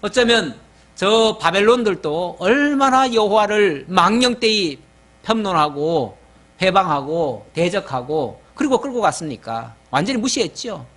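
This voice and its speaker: A man's voice: high-pitched, animated, measured pace, fairly bright tone. A male pastor giving an expository sermon. He reads scripture verses and then explains them in a conversational way, often adding short affirming words.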